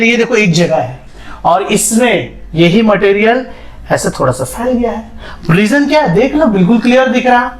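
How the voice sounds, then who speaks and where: A young man teaching a biology lesson, asking questions and answering them himself, mixing English terms into his speech. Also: extremely high pitch. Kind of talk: classroom lesson with whiteboard.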